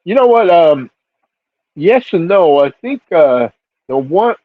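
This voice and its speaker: A man's voice: a little high, sing-song, takes it slowly. A middle-aged man from Seattle telling his story in a casual interview, laid-back and full of fillers. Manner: laid-back, many fillers, voice jumps up for quoted reactions. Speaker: hip-hop DJ and label figure telling his story. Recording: tinny phone-like line, dry.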